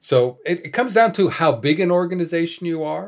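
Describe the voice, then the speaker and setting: The pace is fairly quick. It is a man talking. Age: 60s. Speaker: programming educator and author. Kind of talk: casual interview conversation. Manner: relaxed, hesitant with filler words.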